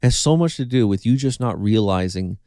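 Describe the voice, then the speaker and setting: A man's voice: fairly low pitch, animated, a little fast, mellow, dry recording, clean studio sound. A man working as a recovery coach, explaining an analogy to viewers and acting out the quoted reactions as he tells it.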